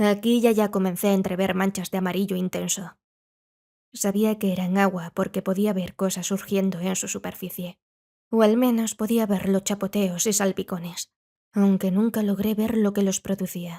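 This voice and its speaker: On a very clean recording with a silent background and a dry, close sound with no echo, a woman speaks at a moderate pace in a medium pitch with a dark, mellow tone and monotone, flat intonation. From southern Spain. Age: 20s. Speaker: voice actor. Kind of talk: audiobook narration.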